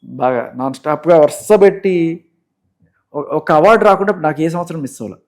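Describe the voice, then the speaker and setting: A man in his thirties, a radio jockey, telling his story in a soft-spoken, anecdotal way during a casual interview. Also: on the high side, normal speed. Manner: soft-spoken, anecdotal, mixes in English words.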